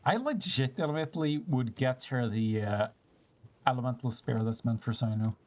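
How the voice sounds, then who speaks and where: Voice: medium pitch, normal speed, darkish tone. A game streamer giving casual, playful commentary with slangy, sing-song asides. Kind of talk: casual gameplay commentary with dramatic reading.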